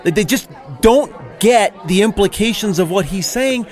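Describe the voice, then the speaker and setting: A man's voice: sits high, lively intonation, moderate pace, darkish tone, faint music behind, some chatter behind, voice pushed up. A man playing a self-righteous Pharisee who rants defensively and sarcastically about being wronged. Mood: indignant. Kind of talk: comic monologue in character.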